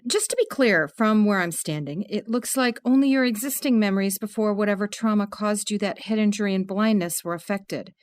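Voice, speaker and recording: An actress playing a methodical female psychologist who explains things in a measured, clinical way, in an audio drama. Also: medium pitch, no echo, natural voice. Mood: calm. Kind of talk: full-cast audio drama.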